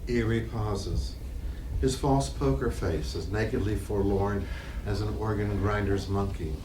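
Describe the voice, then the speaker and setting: A man's voice: on the low side, steady tone, unhurried. A man reading stage directions as scripted dramatic narration for a play. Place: library reading room. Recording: distant echoey recording with clear noise.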